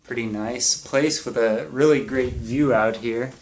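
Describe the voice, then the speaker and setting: A man's voice: mid-range voice, measured pace, husky. A man in his thirties, an upbeat travel vlogger talking casually to a camera held at arm's length. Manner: upbeat, chatty, laughs often. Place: outdoors on windy streets and indoors in rooms. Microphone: handheld camera at arm's length. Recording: loud wind noise on camera mic.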